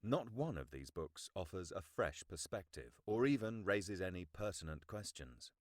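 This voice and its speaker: Deep-voiced male audiobook narrator. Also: lively intonation, no room sound, studio quality. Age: middle-aged. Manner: measured, articulate, formal. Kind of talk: scripted nonfiction audiobook narration.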